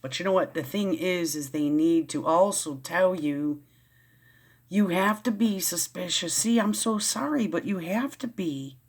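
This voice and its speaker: A woman's voice: lowish voice, a little slow, slightly rough. Woman vlogger, casual read-aloud with riled, rambling asides. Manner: rambling, easily riled, many restarts. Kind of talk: casual reading and commentary.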